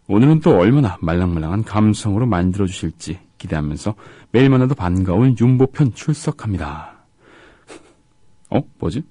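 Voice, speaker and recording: A man co-hosting a radio show, chatting casually and reading listener comments in a halting, soft-spoken way with gaps between his words. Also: low voice, no room sound, clean studio sound.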